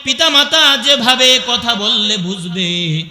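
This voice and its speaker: Slow, bright-voiced Bengali preacher in an echoing hall. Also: male voice, extremely high pitch, expressive. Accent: Bangladeshi Bengali. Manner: chants Arabic verses in a slow singsong, then preaches with rising calls to the crowd. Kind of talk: Bengali waz sermon with chanted recitation. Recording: echoey hall with long reverb.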